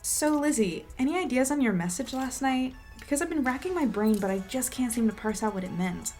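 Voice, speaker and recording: A woman's voice: fairly high pitch, lively intonation, a little fast, darkish tone, faint music behind, natural voice. A woman playing a wry, troubled young reporter in an audio drama, speaking with dry, understated sarcasm. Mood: wry, probing. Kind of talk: audio drama acting, diary-like monologue and dialogue.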